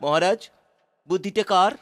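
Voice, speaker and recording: Man voicing a high-pitched scheming royal minister. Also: moderate pace, no echo, studio quality, natural voice. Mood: scheming, eager. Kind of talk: cartoon voice acting.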